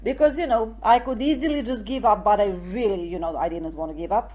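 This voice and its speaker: A woman's voice: medium pitch, fast. Serbian-accented woman telling her story. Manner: emphatic, animated, lots of "you know". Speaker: interview guest, network marketer. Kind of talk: casual interview storytelling.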